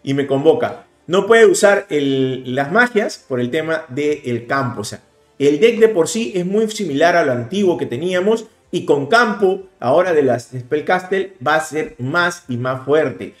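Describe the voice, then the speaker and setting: A man in his thirties with a Peruvian Spanish accent walks through a card game replay, animated and quick to stress each move. His voice sits a little high for a man. The sound is roomy, with faint music underneath. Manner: animated, explaining plays rapidly with bursts of emphasis. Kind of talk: casual gameplay commentary. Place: indoor room, webcam overlay.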